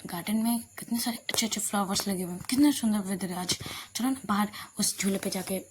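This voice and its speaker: A woman voicing a young female student in an audio love story, drowsy when woken and quickly flustered. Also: medium pitch, a little hiss or hum, natural voice.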